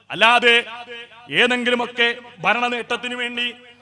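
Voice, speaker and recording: Over noticeable background noise, a man talks in a raised, projected voice. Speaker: Islamic preacher. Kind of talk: sermon.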